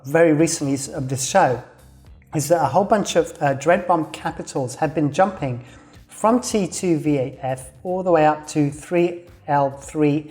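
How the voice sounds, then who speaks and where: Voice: mid-range voice, darkish tone. Chatty host rambling over a map. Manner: chatty, rambling, many fillers and self-corrections; laughs at own doodling while drawing on screen. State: slightly losing voice. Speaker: host of a weekly game news show. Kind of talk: casual news rundown over a map. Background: faint background music.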